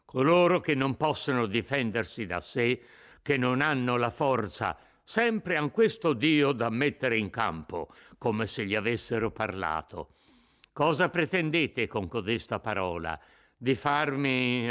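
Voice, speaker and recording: A man reading aloud voices a feared, stern nobleman who commands loudly and harshly. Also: mid-range voice, very animated, unhurried. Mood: angry, scornful. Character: stern feared nobleman, wrathful but softening.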